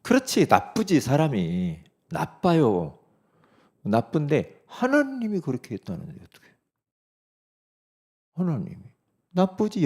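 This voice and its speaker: A man's voice: medium pitch, a little mellow. A middle-aged man preaching a sermon as pastor, in a conversational way, often checking with the congregation.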